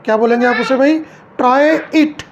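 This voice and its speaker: A woman's voice: high voice, measured pace, highs cut off, noisy background. A middle-aged woman at home teaching English phrases, asking each one back as a question and then answering it.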